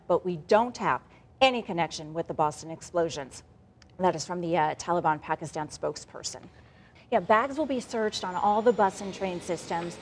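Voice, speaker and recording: A woman's voice: lowish voice, a little hiss or hum. A woman anchoring a live local morning TV newscast, talking to viewers directly in a conversational way.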